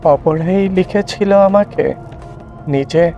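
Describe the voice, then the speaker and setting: A man's voice: slow, highs cut off, faint music behind. A man playing a beaten, bewildered young man. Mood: dazed. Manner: high, strained and pleading.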